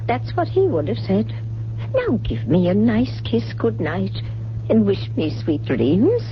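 A woman's voice: mid-range voice, sing-song, a little slow. On a dull, hissy radio recording, an older mother in a mystery drama. She is doting and possessive toward her grown son, with a lilting, swinging delivery. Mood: sweetly smothering. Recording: muffled, hissy 1970s radio broadcast recording.

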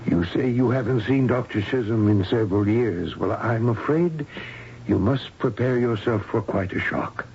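Male actor as patronizing senior doctor, lowish creaky voice, radio drama, dull recording. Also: a little mellow, lightly acted. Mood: grave, patronizing. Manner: condescending, deliberate emphasis. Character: smooth-talking, patronizing senior hospital doctor. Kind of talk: 1970s radio drama acting. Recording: muffled, noisy old radio recording.

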